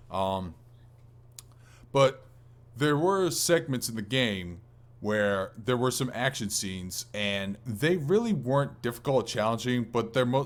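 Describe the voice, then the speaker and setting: Man, lowish pitch, podcast co-host, casual gaming chat, halting and rambling delivery. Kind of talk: casual chat about video games.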